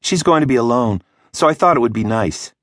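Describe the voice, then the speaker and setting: Stern mother, read by a man, firm and even; dry close mic. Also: medium pitch, a little fast, no room sound, voice pushed up. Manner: firm, scolding. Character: stern patient mother, a nurse.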